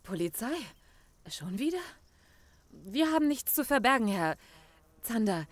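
A woman's voice: on the high side, sing-song, a little slow, dry recording. An actress playing a guarded, earnest young woman who runs a farm retreat in a crime radio play. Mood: guarded, defensive. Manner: defensive, earnest. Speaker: actor in crime audio drama. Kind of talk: German crime audio drama acting.

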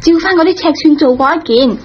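A woman's voice: high voice, fast, a little hiss or hum, close to an everyday voice. A woman playing a headstrong schoolgirl daughter in a radio drama, coaxing and insistent. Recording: dull lo-fi radio recording.

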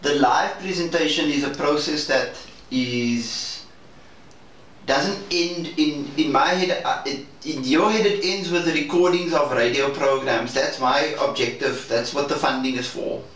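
Man, slightly higher-pitched, careful, hesitant, broken phrasing, informal meeting, very echoey recording. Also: unhurried, fairly bright tone. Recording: very echoey, distant mic, faint noise.

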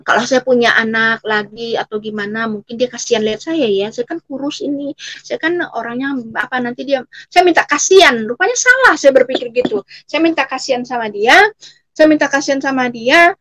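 A woman's voice: sits high, fairly quick, a bit bright, dry recording. A middle-aged woman from Riau in Indonesia tells her personal testimony and repeats phrases again and again as she goes. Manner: repeats phrases over and over while telling her story. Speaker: guest giving a personal testimony.

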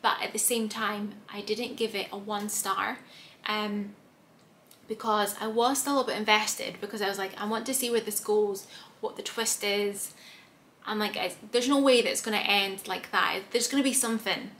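Chatty young woman, slightly hoarse. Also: mid-range voice, steady tone, moderate pace, fairly bright tone, a little hiss or hum. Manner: chatty, rambling, many fillers and restarts. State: slightly hoarse, clearing throat. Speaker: book vlogger. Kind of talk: casual chat to camera. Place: small room with bookshelves, indoors.

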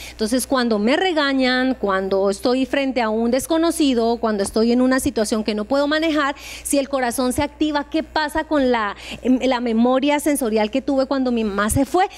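A Colombian woman giving an informal talk on emotional support to tutors, asking her listeners direct questions and acting out short dialogues. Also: high voice. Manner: acts out short dialogues in changed voices.

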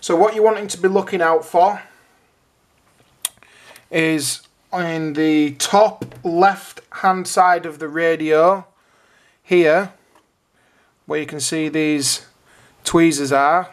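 A British man with a slightly high voice narrates an informal how-to video. He explains each step in turn as a hobbyist host would, in plain conversational phrasing. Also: steady tone, slow pace, pauses often.

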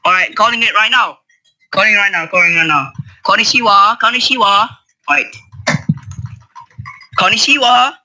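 A man making prank calls on a group voice chat, talking casually in a crude, halting way full of swearing. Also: high voice, sharp tone, faint music behind, poor audio. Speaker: prank caller. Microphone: computer mic on an online voice call.

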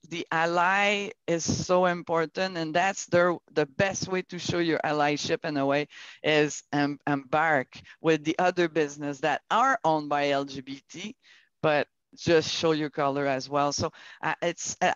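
A woman speaks as a panelist on a video call, earnest and searching for words, often restarting her sentences. Her voice is smooth and clear, and the sound is dry, close and a little muffled. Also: fairly low pitch, a bit bright, dry recording. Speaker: business panelist from a bank.

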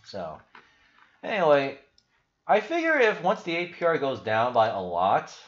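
A man's voice: a little high, wildly swooping pitch, measured pace, lo-fi sound. A young man hosting a crypto video, talking casually over his screen share and thinking aloud with many fillers and restarts. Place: indoor room.

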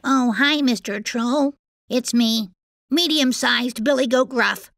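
A woman voicing a medium-sized billy goat who is polite and a little nervous, speaking softly. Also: fairly high pitch, takes it slowly, gravelly, noisy background. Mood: cheerful.

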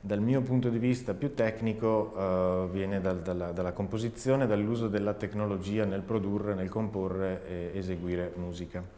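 A man's voice: deep voice, fairly even intonation, moderate pace, few pauses, dark tone. A man, explaining his creative work in an interview, thoughtful and often searching for words. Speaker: technical artist and composer. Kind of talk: interview monologue about own artistic work. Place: dark indoor studio, seated. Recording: echoey room with long reverb.

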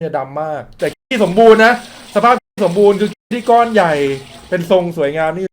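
A man's voice: high voice, animated, a little fast, slight background noise. A man commenting on a horror video game in a joking, crude way, reading the characters' lines aloud and yelping when startled. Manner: jokey, crude, reads out in-game dialogue, yelps when startled. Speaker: gaming YouTuber.

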